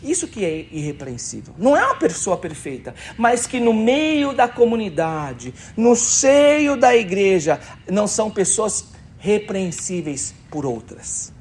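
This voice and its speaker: A man's voice: sits high, big pitch swings, unhurried, darkish tone. A man preaching a sermon in church, conversational and emphatic, asking the congregation questions. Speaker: pastor.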